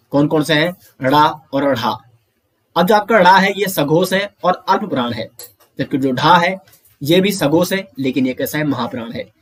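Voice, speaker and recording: Hindi teacher from Uttarakhand, slightly high voice. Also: male voice. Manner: explains step by step, often says "दोस्तों" and "ठीक है"; sounds out letters slowly to demonstrate. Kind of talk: online exam-prep lesson.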